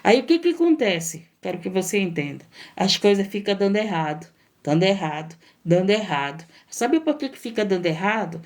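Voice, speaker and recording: A woman missionary delivers a sermon. Her pitch sits in a middle range for a woman. She presses her points through repeated phrases and emphatic rhetorical questions. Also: big pitch swings, moderate pace. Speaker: missionary preacher.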